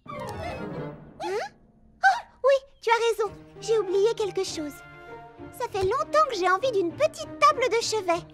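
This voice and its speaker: A woman voicing a cheerful, kind, organised young girl heroine in a children's cartoon, expressive and earnest. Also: very high-pitched. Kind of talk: animated children's cartoon dub.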